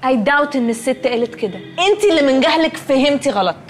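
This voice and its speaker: A woman's voice: high-pitched, lively intonation, fast talker, a little hiss or hum. An actress with an Egyptian accent playing a prissy, sarcastic rich young woman who nags her cousin. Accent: Egyptian Arabic. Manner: sarcastic and nagging. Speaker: comic actress in a TV series. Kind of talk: TV comedy acting.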